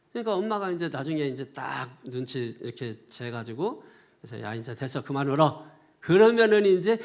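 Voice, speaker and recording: A middle-aged man preaching a sermon in a high-pitched voice. His delivery swings widely in pitch as he fires rhetorical questions at the congregation. He mixes folksy, conversational asides into the preaching. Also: vocal fry. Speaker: senior pastor.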